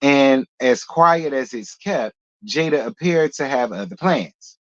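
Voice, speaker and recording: A man's voice: mid-range voice, lively intonation, slow, a bit bright. Sassy man hosting a gossip show. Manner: sassy, chatty, laughing asides. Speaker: host. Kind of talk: casual gossip commentary. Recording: dull lo-fi.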